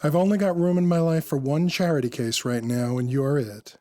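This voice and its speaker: Polished, sassy woman friend, played by a man: wry, teasing, brisk, raised pitch, fiction podcast. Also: steady tone, warm tone, natural voice. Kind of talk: acted dialogue in an audio fiction story.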